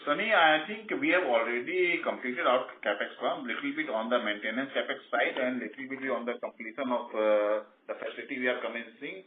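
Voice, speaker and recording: A man's voice: mid-range voice, fairly quick, hardly any pauses. A company executive, a man, sounds roomy and echoey over a thin phone line. There is faint noise as he answers on an earnings call.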